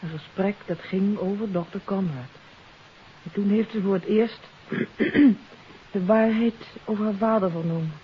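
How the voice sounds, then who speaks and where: An actress playing a troubled countess in a 1950s radio mystery, confessing earnestly and hesitantly. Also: female voice, medium pitch, a little slow, close to an everyday voice. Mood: regretful, reflective. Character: troubled countess confessing her part in a kidnapping. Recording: hissy, dull 1950s radio recording.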